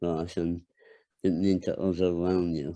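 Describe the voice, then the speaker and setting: Against a quiet background, a man with a very deep, low pitch speaks at a fairly slow pace. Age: 70s. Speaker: author and performer. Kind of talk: interview. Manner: halting.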